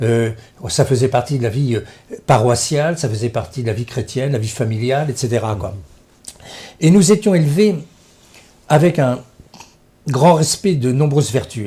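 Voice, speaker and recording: This somewhat breathy voice has a dark, mellow tone and lively intonation, broken by long, frequent pauses. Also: man. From France, Poitiers and Vendée. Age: 70s. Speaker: guest on talk show. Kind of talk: interview testimony. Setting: live web TV open-line show. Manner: hesitant, many fillers.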